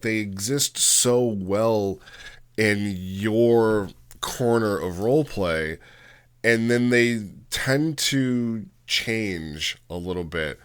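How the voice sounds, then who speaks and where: A man giving a casual, off-the-cuff review as host, rambling and halting as he talks, often checking in with the listener. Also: sits low, a bit bright, smooth. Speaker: host reviewing roleplay logs.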